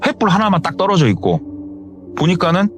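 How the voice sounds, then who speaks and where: A man's voice: high-pitched, sing-song, brisk. Dramatic male horror storyteller. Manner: vivid, dramatic retelling with hearsay endings. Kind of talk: horror storytelling, casual spoken retelling. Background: faint music.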